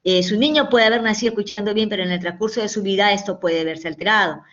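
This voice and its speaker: A woman's voice: medium pitch, quick pace, a bit bright. Woman lecturing on ear medicine, lo-fi. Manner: explanatory, checks in with tag questions. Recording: dull lo-fi recording.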